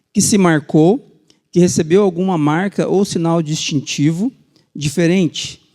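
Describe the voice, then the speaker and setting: With a strong Paraná accent, a man speaks at a high pitch in a dark, mellow tone. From Paraná, Brazil (Sengés, Campos Gerais). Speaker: pastor. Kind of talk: sermon.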